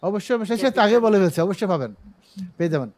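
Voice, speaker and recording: A man's voice: high voice, very animated, rapid-fire, a little mellow. A man teaching an English grammar class over a video call, explaining patiently with everyday examples and repeating the key words.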